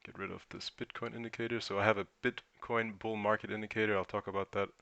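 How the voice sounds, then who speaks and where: A man's voice: on the low side, little pitch movement, fast talker, creaky, pushed and bright, smooth, dry recording, highs cut off. A man from Germany whose first language is German, hosting a casual livestream and thinking aloud while he answers chat questions. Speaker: crypto livestream host.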